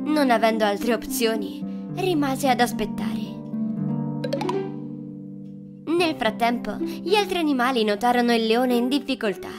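A woman's voice: fairly high pitch, animated, measured pace, pauses often. A woman storyteller reading scripted fairy tale narration for children. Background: background music.

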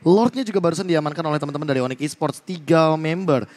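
A man's voice: a little high, fast talker, a little mellow, a little hiss or hum. A man with an Indonesian accent giving live esports commentary and analysis as a caster. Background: music under the commentary.

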